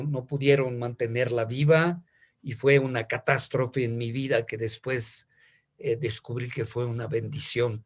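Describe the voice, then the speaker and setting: An older man, a native French speaker with a French accent, reflecting on personal stories in conversation and repeating words as he searches for them. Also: medium pitch.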